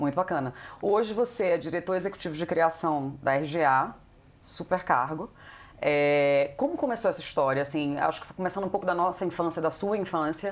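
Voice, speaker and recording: At a fairly quick pace, a woman talks in a plain, everyday voice with a fairly low pitch and ordinary pitch variation. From Brazil, Northeast. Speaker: podcast host. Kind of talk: casual interview.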